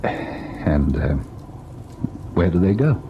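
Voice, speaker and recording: A deep-voiced, earnest gentleman in a vintage radio ghost drama. His delivery swings expressively with a dark, soft tone, over a noisy old recording. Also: big pitch swings, extremely slow, creaky, dull audio, heavily acted. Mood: curious, halting. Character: educated, earnest husband and painter, narrating a ghost tale. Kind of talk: old-time radio narration and dramatic acting.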